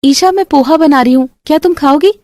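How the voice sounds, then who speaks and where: A woman voicing a gentle, kind young daughter-in-law who speaks softly and soothingly. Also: sits high, a little fast, pitched above the performer's own voice, natural voice.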